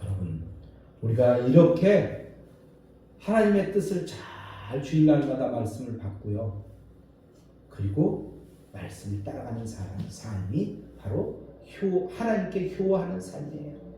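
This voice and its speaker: A man preaching a sermon, swinging his pitch up and down and slipping into the voices of the people in his stories. His voice is dark and mellow, and it sits a bit high for a man. He is heard from a distance in a very echoey church hall. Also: measured pace, a little hiss or hum. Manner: animated preaching, acting out quoted voices. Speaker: pastor. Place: large church sanctuary.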